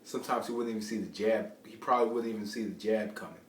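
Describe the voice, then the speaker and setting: A man giving informal, unscripted boxing commentary in a rambling, halting way, often repeating phrases as he restarts. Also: on the low side. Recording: roomy, distant mic, faint background noise.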